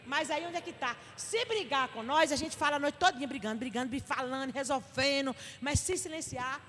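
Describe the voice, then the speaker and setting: A middle-aged woman pastor with a Northeastern Brazilian accent gives an animated, emphatic church Bible study talk. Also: high voice, a little fast. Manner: animated and emphatic, acting out little dialogues. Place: church hall. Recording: reverberant church hall with faint noise.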